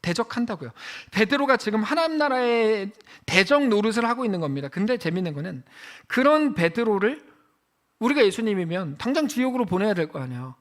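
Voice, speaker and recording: A man preaching a sermon as pastor, passionate, rising to loud high outbursts and dropping to quiet low stretches as he reads scripture and speaks God's words to the listener. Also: big pitch swings, a little fast.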